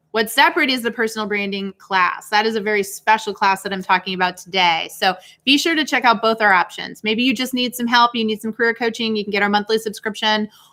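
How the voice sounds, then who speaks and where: A woman's energetic, bright, sharp voice with an American accent, fairly high in pitch with ordinary pitch variation, at a very fast pace with hardly any pauses, on a very clean recording with a silent background. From US North. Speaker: career coach. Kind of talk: live Q&A stream.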